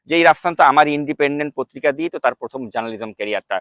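A man with a fairly high voice and ordinary pitch variation comes through with a dry, close sound and no echo. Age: young. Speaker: political commentator. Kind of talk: monologue commentary.

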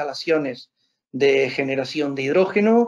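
Over a quiet background, a man speaks in a normal speaking voice at a moderate pace with ordinary pitch variation. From Spain. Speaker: research centre regional director, moderator; moderator. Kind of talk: event moderation. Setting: video call. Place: office. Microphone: video call.

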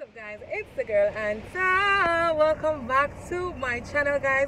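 The voice makes big swings in loudness, with a dry sound, no echo and light background noise. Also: woman. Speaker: vlogger. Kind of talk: casual vlog chat. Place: car. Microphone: phone near.

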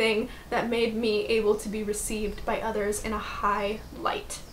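Here a woman speaks with an American accent at a fairly high pitch. Light background noise is present. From Utah. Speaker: online content creator. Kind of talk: vlog monologue. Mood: calm, reflective. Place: home room.

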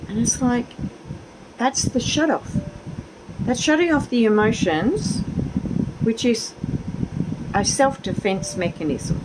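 Amid loud background noise, a woman speaks with long, frequent pauses. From Australia. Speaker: tarot reader. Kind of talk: casual monologue with card reading. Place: home room. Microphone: phone near.

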